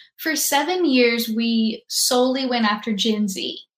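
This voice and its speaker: In a Southern US accent, a woman talks. Her pitch is fairly high. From US South. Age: 30s. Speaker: author and evangelist. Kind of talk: interview.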